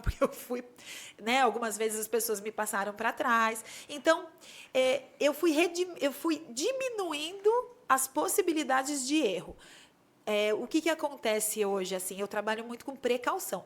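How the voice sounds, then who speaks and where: A woman guest on an interview podcast, telling stories in a casual, animated way and acting out dialogue in them. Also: a little high. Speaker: podcast guest, bridal designer. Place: podcast studio.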